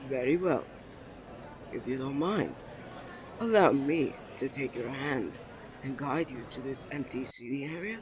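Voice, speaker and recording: Man voicing flirtatious twin brother, smooth, self-assured, teasing, courtly endearments, romantic audio roleplay, light background noise. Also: medium pitch, expressive, voice pushed down, lightly acted. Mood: teasing, tender. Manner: suave, drawn-out, playfully formal endearments. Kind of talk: romantic ASMR roleplay acting.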